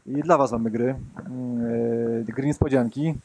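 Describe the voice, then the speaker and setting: A man's voice: medium pitch, moderate pace, a little mellow, a little hiss or hum. A man in his thirties co-presenting at a tech meetup into a handheld mic in a conference room, joking and stumbling over restarts. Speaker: conference co-speaker. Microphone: handheld microphone.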